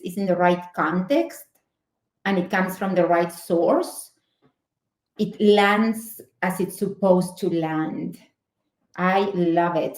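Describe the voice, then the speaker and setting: A woman's voice: medium pitch, a little mellow, reverberant. A woman hosting an interview, enthusiastic and gushing as she introduces and responds to her guest. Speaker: host.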